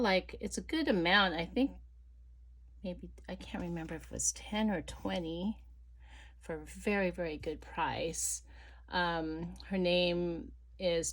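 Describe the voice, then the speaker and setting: This crafting vlogger, a middle-aged woman with a lowish voice, talks loosely while making things. She wanders off topic, fills gaps with plenty of fillers, and drops to quiet murmurs mid-task.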